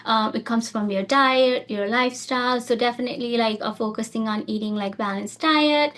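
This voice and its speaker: A woman's voice: fairly high pitch, moderate pace, a bit bright. A woman from Nepal, a nurse practitioner, answering interview questions casually with many fillers and restarts.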